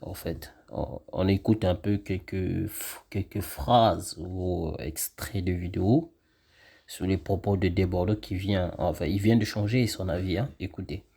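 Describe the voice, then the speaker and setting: A man's voice: deep voice, fairly even intonation, unhurried, vocal fry, warm tone, husky. A man from Congo delivering an angry, scolding monologue as an online commentator, addressing a rival directly. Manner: indignant, scolding, repetitive. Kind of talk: angry monologue reacting to a video.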